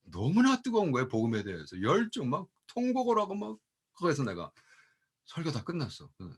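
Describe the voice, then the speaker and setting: A middle-aged man, a pastor and mission professor, telling testimony stories in an animated way and acting out the people he quotes. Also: a little high, brisk, breathy edge. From Korea. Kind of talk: storytelling testimony talk.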